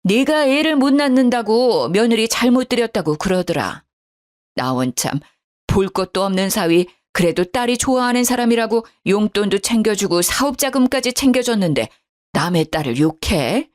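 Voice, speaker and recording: A woman's voice: mid-range voice, expressive, normal speed, natural voice. A woman voicing an indignant middle-aged mother in a storybook drama, talking in an agitated, scolding way.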